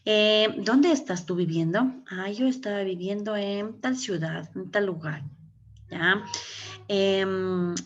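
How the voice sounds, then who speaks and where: Taking it slowly in a mid-range voice, a woman walks through English grammar step by step in Ecuadorian Spanish in an online class, often asking "okay?". The sound is dull, lo-fi video call audio from a computer mic.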